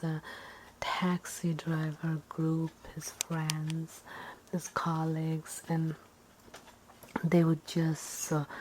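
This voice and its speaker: Slow, low-voiced woman telling stories in whispers. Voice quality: soft, breathy, often dropping into whisper. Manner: halting, simple repetitive phrasing. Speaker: storyteller. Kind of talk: ASMR ghost storytelling, unscripted.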